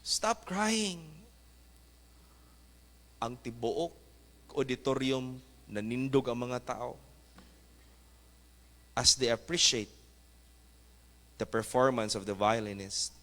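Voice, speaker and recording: A man's voice: mid-range voice, steady tone, slow, pauses often, fairly bright tone. A male pastor preaching a fervent sermon, mixing English exhortations into his talk. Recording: echoey church hall.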